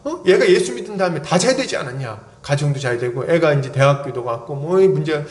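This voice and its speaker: A man's voice: a little high, lively intonation, fairly quick, voice pushed down, lightly acted. A man voicing a mother who scolds her husband in a teasing manner. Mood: scolding. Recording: echoey church hall.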